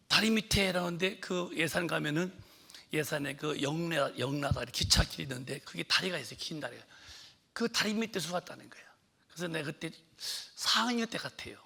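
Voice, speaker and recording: A middle-aged man preaching a sermon as pastor, telling childhood stories, acting out shouted quotes and dropping to whispers. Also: on the high side, vocal fry, breathy edge. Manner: storytelling, acts out shouting mother, drops to whispers.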